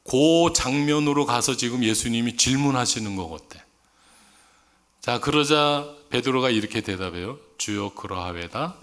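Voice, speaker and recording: A man's voice: medium pitch, normal speed, a bit bright. A man preaching a sermon as a visiting missionary in a church, telling a story in a conversational tone. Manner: conversational storytelling, acts out dialogue in quoted voices. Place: church sanctuary.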